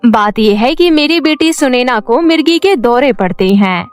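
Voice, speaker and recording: A cruel, middle-aged stepmother from a cartoon moral tale, played by a woman. Her voice sits high and turns sugary as she schemes and insinuates. Soft music runs underneath. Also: lively intonation, moderate pace, smooth. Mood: sugary, insinuating. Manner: sugary, insinuating, falsely concerned. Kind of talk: animated moral story voice acting.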